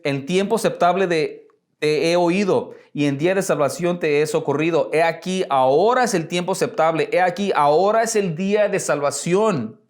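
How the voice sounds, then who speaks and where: Guy preaching a sermon, kinda high voice, chatty, acts out the quotes. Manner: conversational preaching with rhetorical asides and light jokes. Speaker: pastor.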